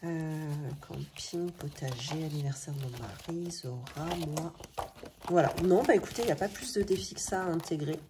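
A woman in her thirties with a French accent chats casually, thinking aloud in colloquial speech with a slightly rough morning voice. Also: sits low, normal speed. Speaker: budgeting video host. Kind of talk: casual chatty vlog narration. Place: indoors at a table. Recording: noisy home recording with clicks.

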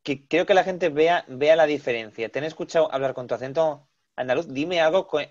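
A man's voice: a little high, fairly quick, a little mellow, muffled recording. A man interviewing an actress in a playful, enthusiastic, teasing way. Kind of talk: casual interview chat.

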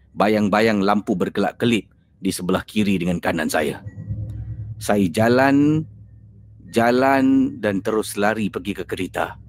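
A Malaysian man, a podcast host, telling a spooky story in the first person. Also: medium pitch.

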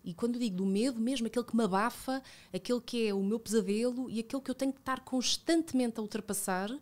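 A woman in her thirties with a European Portuguese accent, talking reflectively as a podcast guest, with many fillers and self-corrections, close on a studio boom mic. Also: fast talker, a little mellow. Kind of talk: casual conversational interview. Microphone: studio boom mic with headphones.

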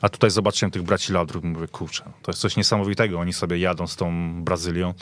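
A man's voice: deep voice, flat delivery, quick pace, no echo. A man discussing football as a pundit on a radio podcast, in a conversational way. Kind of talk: animated sports podcast discussion. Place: radio studio.

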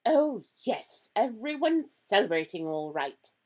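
A woman's voice: mid-range voice, sing-song, slow pace, pitched above the performer's own voice. A woman voicing a severe, irritable witch professor in a storybook, with a clipped, exasperated, emphatic delivery. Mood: impatient. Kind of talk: storybook character reading.

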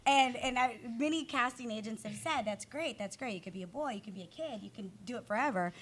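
A woman's voice: fairly high pitch, fast. A young woman hosting a panel chat at a table mic, with a very young-sounding voice and eager, enthusiastic interjections. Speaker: host. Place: indoor meeting room at a panel table. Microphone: table mic on stand.

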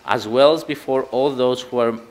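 A man in his thirties from Cyprus, a native Greek speaker with a Cypriot accent, delivering a prepared political speech at a commemoration event in an earnest, measured way that stresses key words. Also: medium pitch, darkish tone. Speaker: party speaker.

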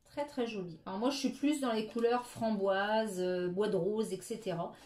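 A woman's voice: mid-range voice, normal speed, darkish tone. Middle-aged woman, casual haul vlogger, chatty with many hesitations, echoey room. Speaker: beauty vlogger.

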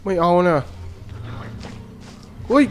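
A man giving commentary while playing a horror game, jumpy and quick to yelp when startled. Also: a bit bright, soft background music. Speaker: gameplay streamer.

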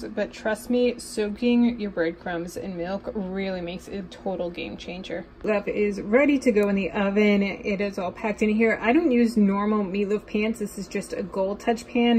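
A woman's voice: mid-range voice, darkish tone. A young woman chatting casually through her meal prep vlog in her home kitchen, filmed on a phone. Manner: chatty, talks baby-talk to her cats. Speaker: vlogger. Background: faint household appliance hum.

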